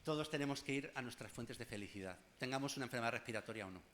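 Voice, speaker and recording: Chatty psychologist giving a workshop. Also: male voice, mid-range voice, racing, fairly bright tone, slight background noise. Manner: conversational, addresses audience directly with asides and humor. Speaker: clinical psychologist leading a workshop. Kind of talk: informal workshop talk.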